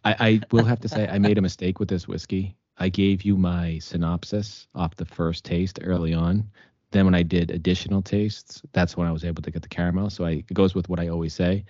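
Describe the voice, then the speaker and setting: A man's voice: deep voice, fairly even intonation, brisk, dark tone, dry recording, muffled recording. A man co-hosting a casual whiskey tasting as a novice, playful and theatrical, fond of grand phrases.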